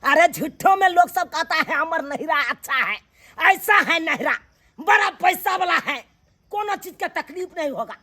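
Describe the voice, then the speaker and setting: A woman with a Maithili accent playing an indignant young husband in a village comedy skit, loud and scolding. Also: extremely high pitch, lively intonation, normal speed, heavily acted. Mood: angry.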